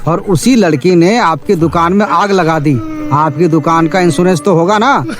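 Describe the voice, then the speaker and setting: A man's voice: fairly high pitch, normal speed, natural voice. A man voicing a meddling, accusing bystander in a cartoon story, with a scolding manner.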